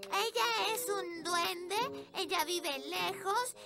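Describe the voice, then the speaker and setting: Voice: very high-pitched, extremely slow, over music, exaggerated voice. A performer voicing an earnest, sweet little fairy princess girl in a children's cartoon, with a Latin American Spanish accent. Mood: worried.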